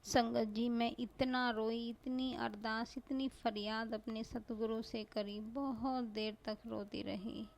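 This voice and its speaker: A woman's voice: on the high side, fairly even intonation, slow, creaky, few pauses, poor audio. A woman giving a devotional testimony to a congregation, pleading and repeating herself like a prayer. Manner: pleading, repetitive prayerful address.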